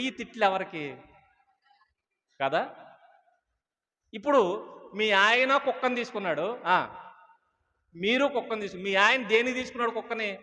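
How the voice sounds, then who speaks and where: Male pastor, fairly high, forceful delivery, preaching from a podium on a stage mic, quizzing the congregation, hall reverb trailing every phrase. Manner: rhetorical questions to the congregation. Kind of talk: sermon. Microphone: stage microphone.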